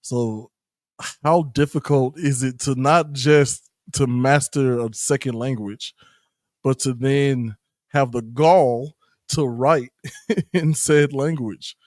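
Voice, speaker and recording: A man's voice: medium pitch, steady tone, slow pace, darkish tone, dry recording, clean studio sound. A man hosting a podcast, interviewing in a casual conversational style. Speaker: podcast host.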